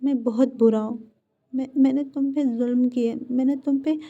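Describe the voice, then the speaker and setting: A woman voicing a remorseful male mafia boss who begs his lover for forgiveness, with halting repeated words. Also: high-pitched, steady tone, dark tone. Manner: pleading, apologetic, halting repeats. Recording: dull lo-fi recording.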